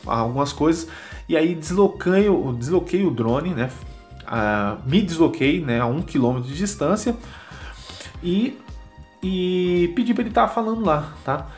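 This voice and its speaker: Brazilian man, higher-pitched, casual product demo. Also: animated, measured pace, darkish tone, faint music behind. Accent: Brazilian Portuguese. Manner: informal, peppered with short tag questions. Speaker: product reviewer and drone vlogger.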